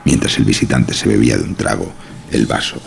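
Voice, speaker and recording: A man narrating a scripted horror story in a measured, suspenseful, dramatic way. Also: a bass voice, creaky, a little hiss or hum.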